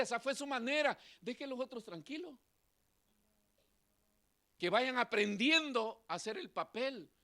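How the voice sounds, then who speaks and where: Middle-aged guy preaching, really high voice, swings loud then hushed. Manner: impassioned preaching, swings between loud and quiet. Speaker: pastor. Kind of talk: sermon.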